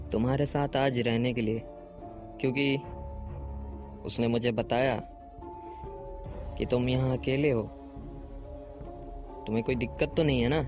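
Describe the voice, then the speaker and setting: An actor playing a friendly young man who speaks in a calm, reassuring way. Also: medium pitch, lightly acted.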